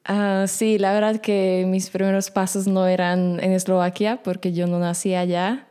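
A woman whose first language is Slovak, speaking as a podcast guest in a casual chat, pausing often with fillers. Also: mid-range voice, flat delivery, dark tone, smooth. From Slovak minority in Romania. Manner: hesitant, many fillers.

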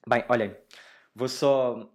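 A young man speaks European Portuguese-accented, slangy, informal chat at a middling pitch. He hosts alone, talking straight to his listeners. His delivery is halting, as he works out his thoughts aloud. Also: steady tone. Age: young adult. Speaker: podcast host. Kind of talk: casual solo podcast chat.

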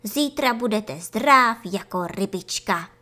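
A woman voicing doting female worker bees in a children's storybook, speaking in high, cooing, sing-song baby talk. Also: animated, pushed and bright.

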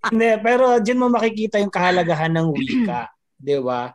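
A man's voice: sits high, fairly even intonation, fairly quick, very noisy. A man on a podcast who builds mock-serious arguments in crude casual banter. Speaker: podcast co-host.

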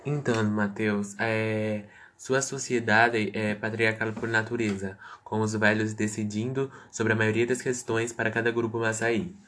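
A man's voice: fairly low pitch, flat delivery, unhurried, hardly any pauses, fairly bright tone. A man answering interview questions as a guest, reading prepared answers with stumbling restarts.

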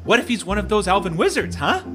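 A man's voice: high-pitched, big pitch swings, fast, music in the background. A man voicing a grumpy, sarcastic, attention-seeking adventurer in a tabletop roleplay, with a whiny manner. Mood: whiny, mocking.

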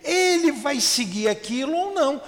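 Animated high-voiced man teaching. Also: normal speed, a crowd in the background. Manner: emphatic, asks and answers his own questions. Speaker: spiritist teacher. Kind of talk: didactic explanation with rhetorical questions. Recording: reverberant room.

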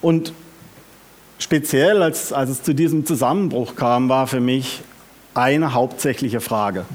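A male preacher speaks slowly and deliberately at a middle pitch. He keeps turning to his listeners with questions and stresses his words with energy. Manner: asks the audience questions, lively and emphatic. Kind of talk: sermon.

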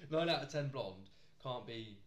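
A man's voice: medium pitch, animated, takes it slowly, a crowd in the background. A man co-hosting a podcast, chatting in a laid-back, hesitant way. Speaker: podcast co-host. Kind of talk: casual chat. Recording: roomy echo, faint hum.

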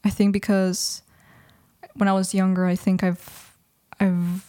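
A woman's voice: medium pitch, flat delivery, unhurried, mellow, no echo, clean studio sound. A woman of twenty, raised in Mexico with Russian as her first language, talking thoughtfully in a casual interview with many restarts. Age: 20s. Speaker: guest.

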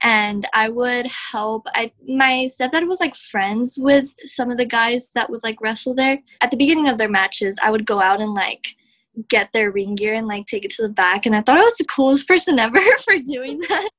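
A young woman from Texas, a professional wrestler, answering interview questions in a chatty way, full of "like" and quick laughs. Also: a little high, a bit bright. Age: young adult. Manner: chatty, heavy use of "like", laughs often.

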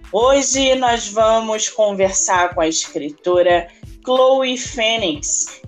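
Slow, effusive Brazilian woman host. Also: fairly high pitch. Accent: Brazilian Portuguese. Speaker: podcast host. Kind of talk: friendly podcast interview.

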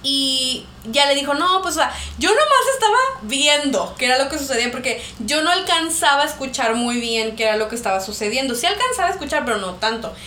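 Mexican woman chatting on a podcast, high bright voice, lots of laughing, kinda echoey room. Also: brisk, few pauses. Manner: animated, laughs often, acts out quoted voices. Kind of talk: casual storytelling chat. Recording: echoey room with faint noise.

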